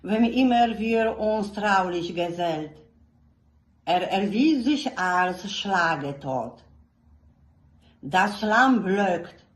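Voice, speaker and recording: A woman from Poland recites poetry in a deliberate, expressive declamatory way. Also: mid-range voice. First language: Polish. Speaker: poetry reader, fan club representative. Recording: echoey room.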